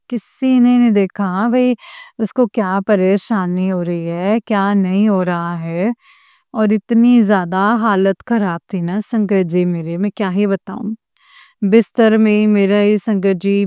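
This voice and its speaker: Slow, halting older woman giving testimony. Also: mid-range voice, a little mellow, clean tone, no room sound, studio quality. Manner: halting, with frequent pauses and respectful address to the congregation. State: weak after a fever. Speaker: devotee sharing a testimony. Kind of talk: devotional personal testimony.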